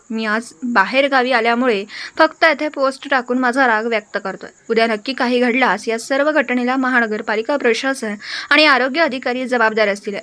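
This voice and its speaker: A woman's voice: a little high, pushed and bright. A woman news reader earnestly reading out a resident's indignant complaint as a regional news report.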